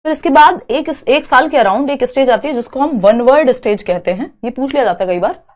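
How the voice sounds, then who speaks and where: A young woman teaching a live online class, explaining step by step and slowly repeating key terms. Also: high-pitched, a little mellow. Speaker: online exam-prep teacher.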